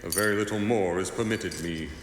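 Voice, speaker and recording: An actor playing a mournful, doom-laden ghost of a dead businessman in a slow, solemn radio drama style. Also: deep voice, close to an everyday voice. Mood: anguished, lamenting. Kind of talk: theatrical radio drama acting. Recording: cavernous echo and reverb, background noise.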